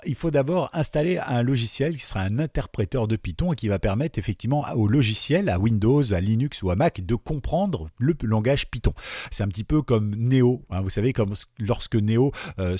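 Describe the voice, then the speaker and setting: A man giving a relaxed, screen-recorded tutorial, chatty and digressive, with many fillers and repeated words. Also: medium pitch, dry recording, clean studio sound. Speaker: teacher.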